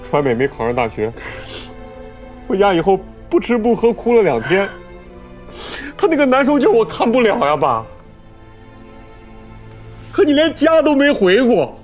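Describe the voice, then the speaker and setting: A desperate pleading son. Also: male voice, sits high, sing-song, moderate pace, long pauses, faint music behind. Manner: desperate, pleading, tearful outbursts. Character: guilt-ridden young man begging his father. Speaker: son pleading with his father. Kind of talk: TV drama acting.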